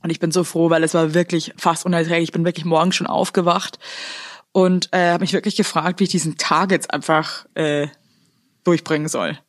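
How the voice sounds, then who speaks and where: A woman's voice: on the low side, fairly even intonation, fairly quick, no room sound. A woman co-hosting a chatty podcast, talking loosely and cursing freely. She drops into playful, theatrical rants. The sound is dry and close to the mic. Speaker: podcast co-host. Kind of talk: casual chat.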